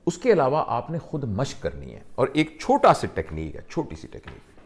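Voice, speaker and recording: A man, a doctor, calmly counseling a patient and explaining with simple everyday examples. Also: mid-range voice.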